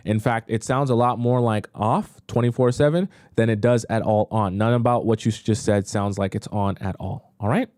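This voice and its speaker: A man's voice: on the low side, steady tone, moderate pace, few pauses, a little mellow, dry recording, studio quality. A young man coaching on dating during a live stream, talking casually with lots of fillers and reacting in disbelief to viewer messages. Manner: casual, chatty, frequent fillers, reacts with disbelief while reading. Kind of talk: live-stream advice, reading viewer questions aloud.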